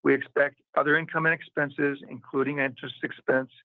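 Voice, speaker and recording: A man formally reading out a scripted financial report as a company executive, in a measured way. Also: mid-range voice, flat delivery, dry recording. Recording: narrow, tinny phone-line sound.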